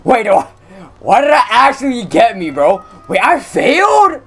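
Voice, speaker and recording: Animated young man live-streaming a game. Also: extremely high pitch, a little slow, vocal fry, faint music behind. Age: young adult. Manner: slangy, addresses chat, reacts excitedly. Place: indoor room at streaming setup.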